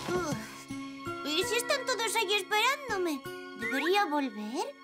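Squeaky high little cartoon car, timid and fretting, voice jumps all over, music under it. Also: very animated, unhurried, full character voice. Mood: anxious, panicky. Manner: anxious, fretful. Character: timid, nervous, childlike little cartoon vehicle. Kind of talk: Spanish-dubbed children's cartoon acting.

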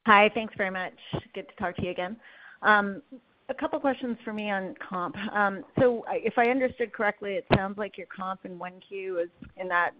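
A woman's voice: mid-range voice, normal speed, a little hiss or hum. A woman asking questions as a financial analyst on an earnings call, heard over a phone line. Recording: narrow, dry phone line.

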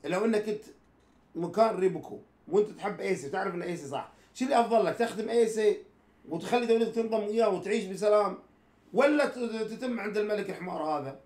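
A man's voice: high-pitched, very fast, darkish tone, reverberant. A man co-hosting a heated casual debate, exasperated and repeatedly clarifying his point. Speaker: co-host.

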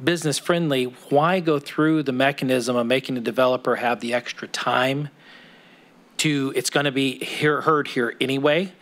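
A middle-aged councilman makes his remarks at a council meeting through a desk mic, arguing persuasively and step by step. The voice is mid-range, fairly bright, steady in tone, and delivered at a normal speed.

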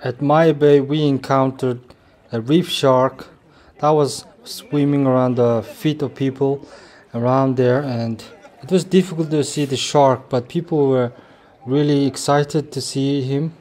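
Slow-talking man narrating a travel vlog. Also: medium pitch, fairly even intonation, a little mellow. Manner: slow, plain narration with hesitations. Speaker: travel vlogger.

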